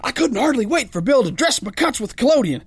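A very high, swooping voice for a rough-and-ready sailor boxer. He spins his yarn in folksy, ungrammatical slang, naive and big-hearted. It is theatrical radio-play narration with lots of lively swing. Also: brisk, no echo, exaggerated voice. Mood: boastful. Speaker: first-person narrator.

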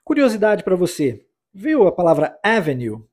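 A man with a fairly high, husky voice teaches English on a podcast. He explains each phrase in Portuguese and then says it over and over for the listener to repeat, in a patient classroom manner. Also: huge pitch swings, normal speed, darkish tone. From United States. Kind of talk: podcast language lesson.

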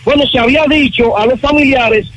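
Very high-voiced Dominican man reporting live. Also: brisk, fairly bright tone, slight background noise, rough recording. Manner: hesitant, groping for words. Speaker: field reporter. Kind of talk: unscripted live news report. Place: outdoors at a roadside.

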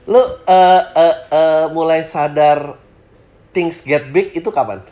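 A man's voice: a little high, slow pace, dark tone. A man in his thirties hosting a casual podcast interview, asking loose questions, swearing playfully and humming along. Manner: loose, swears playfully, many backchannel hums. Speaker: podcast host.

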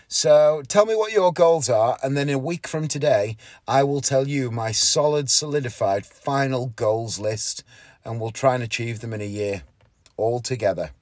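A man's voice: medium pitch, darkish tone, no echo, clean studio sound. A man, talking casually and candidly on his solo podcast from inside a parked car, often correcting himself. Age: 30s. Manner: rambling, candid, self-correcting. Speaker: podcast host, magician.

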